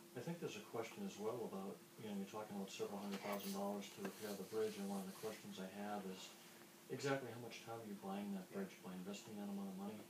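A very fast pace over noticeable background noise. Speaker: municipal official. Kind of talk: public board meeting. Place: meeting room. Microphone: camera far.

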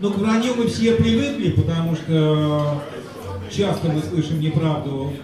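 Lively intonation at a very slow pace, with audible room echo and noticeable background noise. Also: man. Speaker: charity event host and auctioneer. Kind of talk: live charity event hosting with auction. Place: bar.

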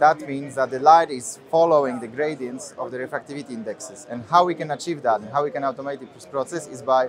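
A man's fairly quick speech, with ordinary pitch variation, comes over light background noise. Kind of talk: product demonstration explanation. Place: hall. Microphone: lapel.

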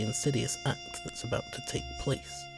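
The pace of the speech is moderate. Music can be heard behind it. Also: man. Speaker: blind poet. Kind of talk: spoken word poetry performance.

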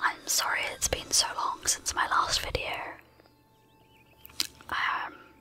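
At a fairly slow pace, a woman speaks in a whisper. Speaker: ASMR YouTuber. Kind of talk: casual talk to camera. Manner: whispered, soft-spoken, relaxing. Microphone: studio mic.

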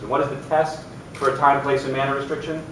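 Amid light background noise and audible room echo, a man speaks at a very fast pace. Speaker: law professor panelist. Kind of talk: lecture. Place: meeting room.

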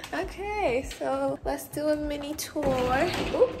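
A woman speaking at a very slow pace over clear background music. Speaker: travel vlogger. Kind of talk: casual vlog chat. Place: home room. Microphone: phone near.

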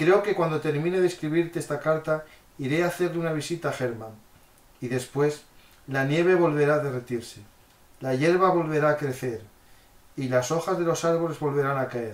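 Pausing long and often, a man speaks at a moderate pace with a fairly high pitch and ordinary pitch variation. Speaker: podcast host. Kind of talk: casual interview chat; reading a soldier's letter aloud. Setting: live stream. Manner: animated, chatty.

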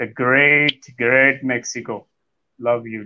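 With a Karachi accent, a man speaks at a fairly slow pace and medium pitch, his intonation monotone and flat. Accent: Pakistani Urdu, Karachi. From Pakistan. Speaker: pro wrestler. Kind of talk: interview. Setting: online call. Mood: friendly, grateful. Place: home room. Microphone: video call.

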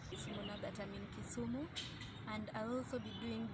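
There is loud background noise behind this woman's voice. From Kisumu, Kenya. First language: Luo. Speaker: vlogger. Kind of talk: casual vlog intro. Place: street. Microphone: phone near.

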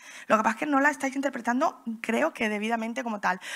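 Against a quiet background, a woman talks at a very fast pace. Her voice is high, with a bright, sharp tone. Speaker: regional government climate official; panelist. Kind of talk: conference talk. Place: hall. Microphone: handheld.

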